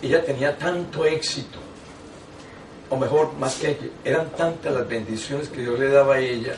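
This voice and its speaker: Older priest telling stories animatedly. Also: male voice, mid-range voice, normal speed, recorded from a distance, slight background noise. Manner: animated storytelling with frequent asides and restarts. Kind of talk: teaching talk to a lay audience. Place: small indoor meeting room. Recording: echoey room, taken from afar.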